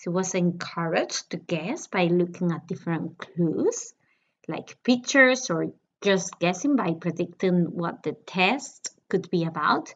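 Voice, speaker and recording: Fairly low-pitched and fairly slow, a woman speaks with a Spanish accent. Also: lively intonation. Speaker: YouTuber reviewing a reading program. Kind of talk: product review.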